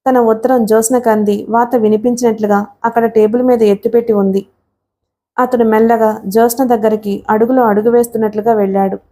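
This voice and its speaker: A woman narrating a novel for an audiobook in a steady, expressive storytelling manner. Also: fairly high pitch.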